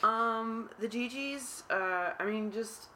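A woman's voice: a little high, takes it slowly, pushed and bright, slight background noise. A woman guest on a podcast, talking casually and hesitantly with many fillers. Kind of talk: casual chat.

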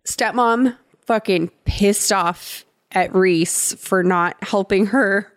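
A woman's voice: medium pitch, slow, no room sound, clean studio sound. A woman co-hosting a podcast, recapping a movie in casual chat with a wry, playful manner. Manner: wry, playful, acts out characters. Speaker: podcast co-host.

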